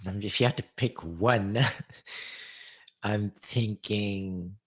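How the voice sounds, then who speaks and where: A man chatting casually on a podcast, relaxed and reflective, with plenty of fillers. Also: lowish voice, takes it slowly, husky, no room sound. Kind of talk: casual chat.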